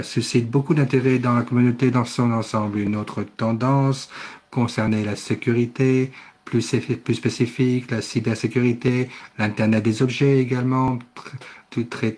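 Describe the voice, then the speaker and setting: A man interpreting a conference session live, speaking haltingly and often correcting himself. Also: mid-range voice, darkish tone. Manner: halting delivery with self-corrections. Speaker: simultaneous interpreter.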